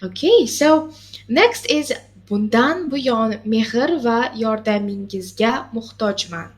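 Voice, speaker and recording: Patient woman tutor, lively and slow. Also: a little high. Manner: patient, encouraging, lots of mm-hmms and checks. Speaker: language teacher. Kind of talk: one-on-one language lesson.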